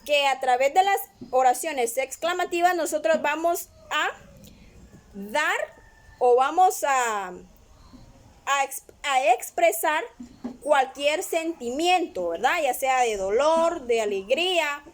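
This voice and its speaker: A woman teaches a grammar lesson in a patient, measured way. Her voice sits high, and she talks slowly, pausing often to check that her students follow along. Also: expressive. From Guatemala. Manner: patient, repeats "¿verdad?" often. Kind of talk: classroom lesson explanation.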